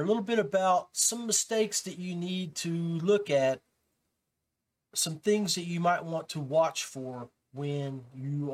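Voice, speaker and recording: A man hosting a podcast, casually talking viewers through advice with many fillers and restarts. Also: on the high side. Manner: coaching tone, giving tips to beginners. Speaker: podcast host.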